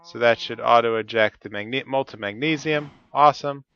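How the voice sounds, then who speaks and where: A man's voice: medium pitch, normal speed, bright, forceful tone, clear, resonant tone, dull audio. A man with a stuffy, cold-affected voice, talking methodically through each step of his gameplay. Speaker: Let's Play host. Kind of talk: casual gameplay commentary.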